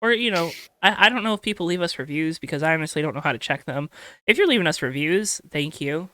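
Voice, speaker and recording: A young man hosting a casual podcast, with a high-pitched voice, chatty and rambling with fillers. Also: lively intonation, quick pace, sharp tone. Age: young adult. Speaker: podcast host.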